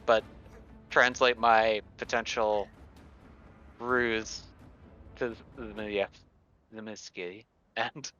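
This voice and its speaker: A man's voice: lowish voice, little pitch movement, slow pace, pauses often, sharp tone, faint music behind. A man playing a tabletop game, talking casually and hesitantly as he thinks his move through, on a dull lo-fi recording.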